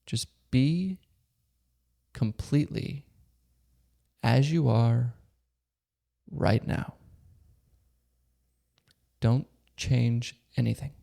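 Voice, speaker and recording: A man leading a guided meditation, giving calm, gentle, unhurried instructions with long pauses between short phrases. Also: medium pitch, vocal fry. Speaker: meditation teacher.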